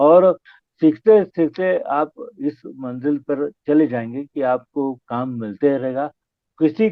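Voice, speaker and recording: A man is speaking. His intonation is lively. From India, Indore (Madhya Pradesh). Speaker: voice-over artist. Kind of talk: interview. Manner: halting.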